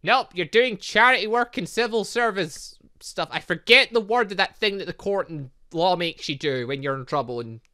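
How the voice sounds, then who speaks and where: Gamer host, male, bright and sharp, chatty, rambling jokey asides, let's-play style. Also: sits high, lively intonation, moderate pace, few pauses. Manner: chatty, joking asides while reading a visual novel. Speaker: gaming channel host. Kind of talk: casual let's-play commentary.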